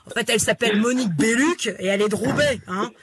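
A woman from Alsace delivers a comic radio column. Her tone is mocking and punchy, and she snaps quickly from one joke to the next. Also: on the high side, noisy background. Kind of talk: comic monologue.

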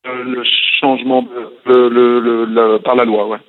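A man's voice: medium pitch, little pitch movement, normal speed. Hesitant man on a tinny phone line. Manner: hesitant, stumbles over words. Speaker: caller and contestant.

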